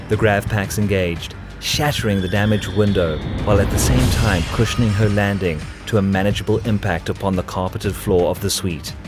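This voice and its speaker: A man's voice: on the low side, natural voice. A man narrating a tense cyberpunk action audio drama as a scripted storyteller.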